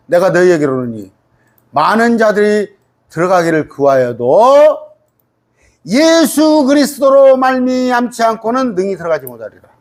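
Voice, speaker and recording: A middle-aged man, a pastor, giving a conversational bible study sermon, asking his listeners rhetorical questions and reading scripture aloud slowly. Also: on the high side, a little mellow. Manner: reads scripture aloud slowly, sometimes singing it.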